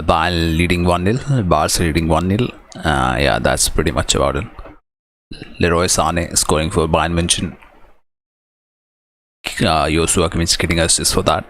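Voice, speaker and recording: A man with a South Asian accent and a very deep voice runs a live football stream, mixing clipped play-by-play with relaxed watch-along remarks. His intonation is fairly even, his speed normal and his tone a bit bright, with slight background noise.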